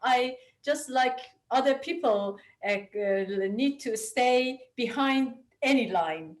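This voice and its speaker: A woman from Iran with a Persian accent, answering interview questions as a writer in halting English, often searching for words. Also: on the high side. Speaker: interviewed playwright and screenwriter. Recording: echoey room.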